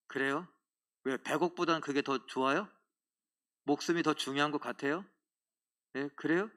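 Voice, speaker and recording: A middle-aged male pastor giving a lively sermon in a church, acting out little scenes and joking with the congregation. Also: a little high, a little slow, long pauses. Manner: animated, acts out voices and jokes with the congregation. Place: church sanctuary.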